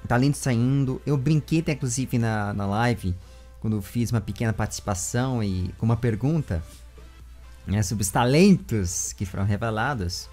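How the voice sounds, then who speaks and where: A man in his twenties with a Brazilian accent, hosting a casual interview in an animated, rambling way, speaking into a close desk microphone at home. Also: medium pitch, moderate pace, faint music behind. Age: 20s. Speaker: interviewer and show host. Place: small room with bookshelves at home. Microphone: large desk microphone with foam windscreen, close.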